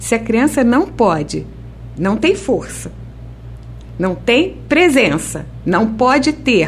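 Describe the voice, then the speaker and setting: The pace is very slow, with long, frequent pauses and very even loudness. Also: woman. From Rio de Janeiro, Brazil. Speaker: speech therapist. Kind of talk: interview answer.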